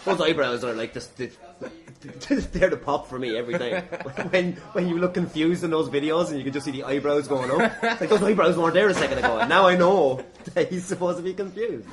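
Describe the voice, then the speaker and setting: A man's voice: a little high, expressive, fairly quick. A man hosting a casual comedy podcast interview, rambling and self-deprecating, often laughing through his words.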